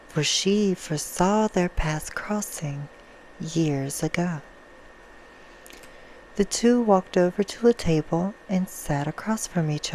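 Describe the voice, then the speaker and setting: A woman playing a vampire who reads a bedtime story in a hushed, soothing ASMR roleplay style. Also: on the low side, slight background noise, rough recording. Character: female vampire reading a soft bedtime story.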